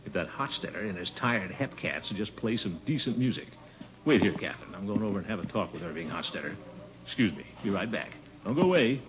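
An actor playing a pompous, blustering middle-aged water commissioner in a 1950s radio sitcom, boastful and chuckling. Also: male voice, fairly low pitch, animated, brisk, background noise. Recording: dull old radio broadcast recording.

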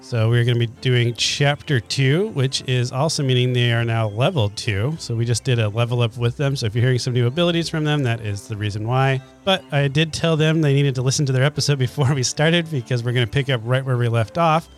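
A man at a mid pitch runs the table as dungeon master and host. He opens in a theatrical, storytelling way, then chats with his players. Faint music sits behind him. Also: brisk, hardly any pauses. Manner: theatrical storybook narration in the opening. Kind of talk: tabletop game podcast chat.

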